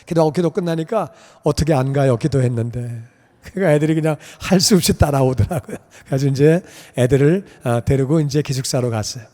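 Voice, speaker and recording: A middle-aged male pastor preaches in a church sanctuary, his fairly high voice ringing with long hall reverb. He tells a personal story, acting out the dialogue with lively energy. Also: a little fast. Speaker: pastor and missionary.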